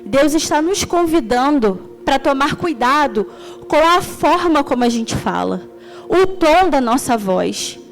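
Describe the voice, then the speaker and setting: A young church deaconess from Rio de Janeiro, Brazil, preaches an extroverted, animated sermon in a Carioca Portuguese accent, full of storytelling and laughter. Her voice sits high and unhurried, with faint music behind.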